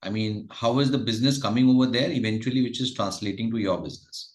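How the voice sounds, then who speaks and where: A man's voice: mid-range voice, fast. A man with an Indian accent moderating a conference call and relaying questions.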